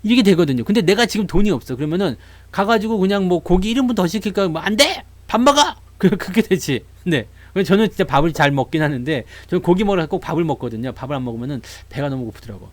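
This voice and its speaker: A man hosting a casual live stream about the stock market, animated and chatty, talking straight to his viewers. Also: a little high, rapid-fire, hardly any pauses, dry recording. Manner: animated, acts out investors' voices.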